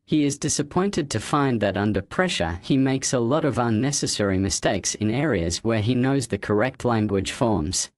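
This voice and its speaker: A man reading a text aloud as a model exam answer, carefully and clearly phrased. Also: medium pitch, lively intonation, moderate pace, few pauses, dry recording, studio quality.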